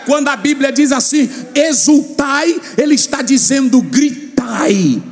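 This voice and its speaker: A male preacher delivers a fiery sermon, his very high voice leaping up and down as he shouts and chants. He calls on the congregation to shout back. Long reverb from a big hall trails every phrase. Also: expressive, unhurried, faint music behind. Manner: shouting, sing-song preaching with call and response. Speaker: pastor. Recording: long echo of a large hall.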